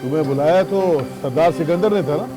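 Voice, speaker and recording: An actor playing a sly male chief who calmly soothes his ally. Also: fairly high pitch, brisk, natural voice, rough recording. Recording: music under dialogue.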